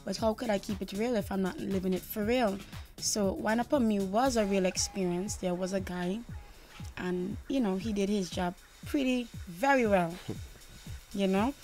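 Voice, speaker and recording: A woman's voice: medium pitch, moderate pace, a little mellow, faint music behind. A young woman from Trinidad and Tobago, a singer answering interview questions confidently, often saying "you know". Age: young adult.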